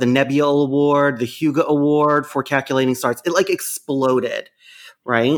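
A man's ordinary speaking voice, fairly high-pitched, moving at a moderate pace. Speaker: podcast co-host. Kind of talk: casual chat and interview.

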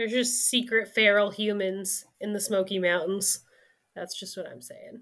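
A woman's plain, everyday voice, medium in pitch, at a moderate pace with fairly even intonation and big swings in loudness. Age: 30s. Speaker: true crime podcast co-host. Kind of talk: casual chat.

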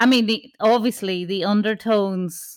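A woman with a Donegal accent speaks at a medium pitch and fairly slow pace with fairly even intonation, on a very clean recording with a silent background. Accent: Donegal Irish. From Ireland, north Donegal (Inishowen). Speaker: theatre director. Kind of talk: casual interview chat.

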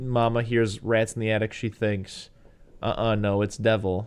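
A man with a plain, everyday voice speaks at a fairly slow pace in a medium pitch over a quiet background. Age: 20s. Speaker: podcast host. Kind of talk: casual chat.

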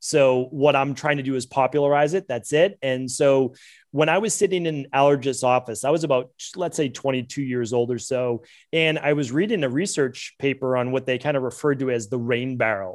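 A man talks at a fairly quick pace in an ordinary speaking voice. His medium pitch shows ordinary variation. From Massachusetts, Boston area (Medford). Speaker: naturopathic doctor. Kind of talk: interview.

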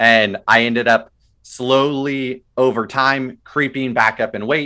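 On a very clean recording with a silent background, a man at a medium pitch speaks fairly slowly in a bright, sharp tone with ordinary pitch variation. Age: 20s. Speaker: postdoctoral researcher in entomology. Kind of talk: interview.

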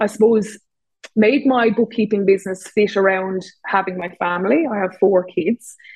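In an Irish accent, a woman speaks at a medium pitch and moderate pace. Her voice is somewhat breathy, with fairly even intonation. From Ireland. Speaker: bookkeeper and business owner. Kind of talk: casual chat.

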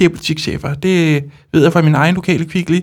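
Fairly quick speech from a man with ordinary pitch variation, on a very clean recording with a silent background. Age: 30s. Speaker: office worker and volunteer. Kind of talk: interview. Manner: halting.

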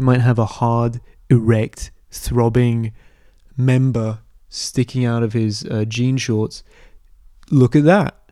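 With a London accent, a man talks at a very slow pace with long, frequent pauses, his medium-pitched voice dark and mellow in tone and his intonation fairly even. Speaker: podcast host. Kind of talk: solo monologue, casual. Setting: alone in own room. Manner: rambling free association with fillers.

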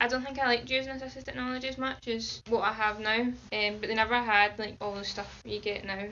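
At a very fast pace with hardly any pauses, the speaker talks in a monotone, flat intonation. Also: woman, fairly high pitch for a woman. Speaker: university student.

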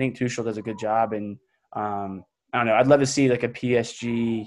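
A man with an American accent speaks in a normal speaking voice at a medium pitch and fairly quick pace, his intonation fairly even. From North Carolina, Raleigh area. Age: 30s. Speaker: soccer coach. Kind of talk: casual chat.

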